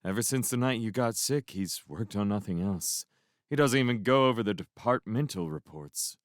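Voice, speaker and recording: A man voicing an anxious young woman who speaks bitterly about someone rushing his work. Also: fairly low pitch, expressive, no echo, clean studio sound, voice pushed up, close to an everyday voice. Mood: worried. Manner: tense, worried.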